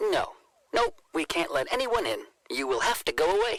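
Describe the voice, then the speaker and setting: A man uses a put-on character voice at an extremely high pitch. He keeps a moderate pace. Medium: video game. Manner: literal, stiff, deadpan.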